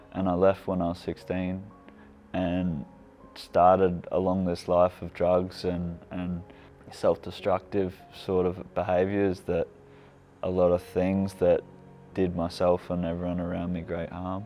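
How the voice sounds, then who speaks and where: Over music in the background, a man with an Australian accent speaks at a very deep, low pitch in a monotone, flat intonation, at a fairly slow pace with long, frequent pauses. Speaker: church member giving testimony. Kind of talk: testimony. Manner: halting, many fillers.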